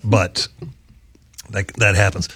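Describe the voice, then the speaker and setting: A man's voice: lowish voice, level tone, takes it slowly, fairly bright tone, husky. A man with a slight Southern US accent hosting a radio talk show in a studio, bantering, joking and often laughing. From Southern US, local to the station. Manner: jokey, rambling, laughs often.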